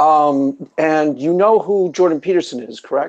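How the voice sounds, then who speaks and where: With a New York accent, a man talks fairly slowly at a fairly high pitch, using ordinary pitch variation against a quiet background. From New York area. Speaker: podcast host. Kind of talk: casual interview. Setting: live video call.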